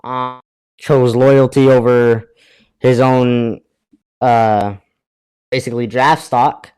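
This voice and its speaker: A man's voice: mid-range voice, steady tone, slow pace, darkish tone, smooth, low-quality recording. A man co-hosting a casual sports chat over a remote call, hesitant as he thinks aloud. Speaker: podcast co-host.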